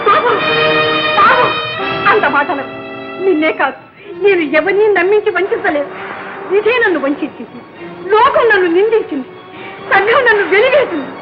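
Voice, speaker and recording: A tearful grieving mother, high voice. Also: expressive, normal speed, pauses often. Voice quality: tearful, pleading. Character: grieving mother hiding her son's parentage. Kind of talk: dubbed film melodrama. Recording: dull old film soundtrack with music.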